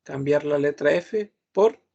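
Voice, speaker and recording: Slow, gravelly-voiced man teaching. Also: a little high, a little mellow, highs cut off. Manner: patient, repeats words several times, thinks aloud with hums. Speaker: French teacher. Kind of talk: slow online lesson explaining grammar.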